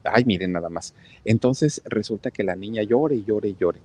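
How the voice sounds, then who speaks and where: Chatty husky-voiced Mexican storyteller. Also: male voice, fairly low pitch, brisk, a little mellow, no room sound. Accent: Mexican Spanish. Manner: chatty, talks straight to the listeners, many fillers. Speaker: channel storyteller. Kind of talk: casual storytelling.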